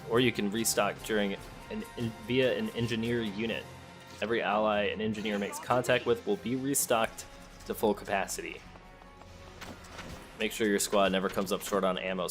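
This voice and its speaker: A man with a fairly low voice commentates casually on a video game. He thinks aloud through his moves and addresses the characters directly. Faint music plays behind him. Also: fairly bright tone. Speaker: let's play host. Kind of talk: casual gameplay commentary, sometimes reading game text aloud.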